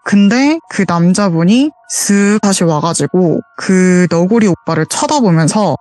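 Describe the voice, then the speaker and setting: A woman's voice: lowish voice, expressive, unhurried, a little mellow, dry recording, soft background music. Earnest woman caller telling a ghost story. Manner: earnest, detailed retelling with quoted dialogue. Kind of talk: casual spoken storytelling. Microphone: voice call.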